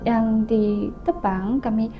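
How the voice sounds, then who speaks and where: Young chinese woman, mandarin native, halting foreigner indonesian, slow, kinda muffled recording w music. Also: fairly high pitch. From China. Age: young adult. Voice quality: difficulty rolling the R. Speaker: student guest. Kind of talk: interview answers.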